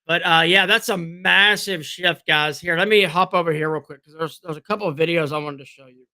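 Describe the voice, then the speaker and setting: A man hosting a casual livestream and talking to his viewers, hoarse and losing his voice, clearing his throat and repeating himself as he rambles. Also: on the high side, a little fast, bright, forceful tone. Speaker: livestream host.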